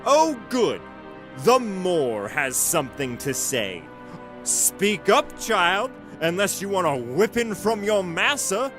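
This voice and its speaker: A venomous, drunken rich man in an audio drama. His voice sits high and swings widely with contempt and arrogance. Faint music plays underneath. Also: very animated, slow, a bit bright, heavily acted. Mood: arrogant taunting. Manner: sneering, belligerent, contemptuous. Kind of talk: scripted audio drama acting.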